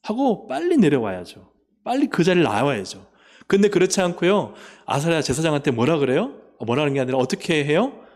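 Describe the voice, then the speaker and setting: A man preaching a sermon as pastor. He asks the congregation questions and answers them himself, and he moves between emphatic rises and quiet, low endings. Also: very animated, a little fast. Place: church sanctuary. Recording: long hall reverb.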